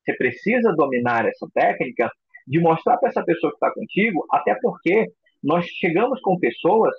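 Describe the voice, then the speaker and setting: A man teaching a recorded psychoanalysis lecture in an expressive way, acting out example voices. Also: on the high side, normal speed, creaky, breathy edge, no echo, muffled recording. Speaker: psychoanalysis instructor.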